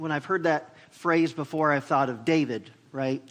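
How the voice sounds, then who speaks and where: A man talks with a fairly high pitch at a moderate pace. His intonation is monotone and flat. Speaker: church elder and guest preacher. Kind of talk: sermon. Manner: casual, conversational.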